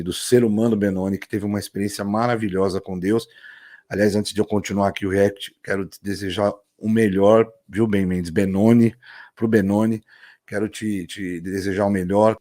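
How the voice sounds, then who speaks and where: A man from Brazil hosting a reaction video, talking to viewers and praising what he has just watched. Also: lowish voice. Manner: warm, repeats praise, addresses viewers directly. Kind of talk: casual reaction commentary.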